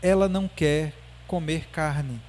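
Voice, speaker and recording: A man's voice: a little high, slow pace, darkish tone, slight background noise. A man voicing a worried mother who pleads with a doctor about her daughter, inside a spoken lecture. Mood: pleading.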